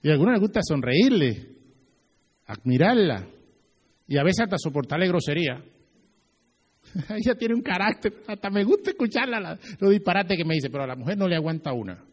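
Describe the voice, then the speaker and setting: A male pastor giving a lively sermon, acting out little scenes as he preaches. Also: on the high side, big-room sound.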